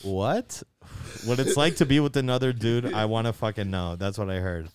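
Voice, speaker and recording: A man's voice: on the low side, normal speed, clean tone, dry recording. A young man co-hosting a casual podcast, joking crudely and laughing a lot. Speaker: podcast co-host. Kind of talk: casual chat.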